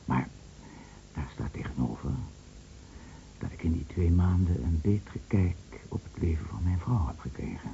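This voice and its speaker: An actor playing a chatty, teasing, fretful bedridden husband in a radio play, stammering and musing with theatrical emphasis. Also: male voice, sits low, lively intonation, moderate pace, creaky, dark tone. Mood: wry, teasing. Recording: muffled old radio play recording, slight noise.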